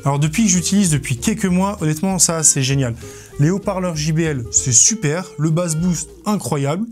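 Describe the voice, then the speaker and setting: A man's voice: fairly high pitch, moderate pace, over music. A man giving a casual product review to camera as a presenter, informal, playful and self-mocking in his delivery. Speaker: presenter of a motorcycle gear video.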